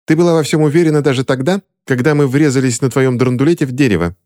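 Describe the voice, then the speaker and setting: A man's voice: mid-range voice, fast talker, darkish tone, voice pushed up, lightly acted. A man reading an audiobook voices a sarcastic teenage girl who teases and grumbles. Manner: sneering, grumbling.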